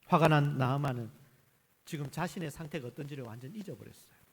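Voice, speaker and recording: A man's voice: fairly high pitch, fast talker, a little mellow, husky, big-room sound. A male senior pastor preaching a Sunday sermon in a church, emphatic and full of rhetorical questions to the congregation. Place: church sanctuary.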